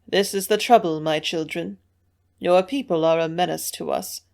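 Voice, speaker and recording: A woman reading the part of a frail, ancient male Martian elder, speaking in a soft, high, quavering voice that stays calm and persuasive. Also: moderate pace, creaky. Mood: earnest. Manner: soft-spoken, coolly persuasive. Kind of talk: audiobook character reading.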